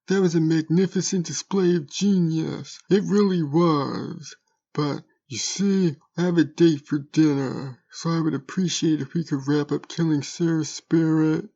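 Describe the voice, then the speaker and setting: High, mellow, pompous man, acted, slightly muffled. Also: steady tone, unhurried, vocal fry. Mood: smug. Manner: pompous, sarcastic. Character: sarcastic, snobbish man, self-important and impatient.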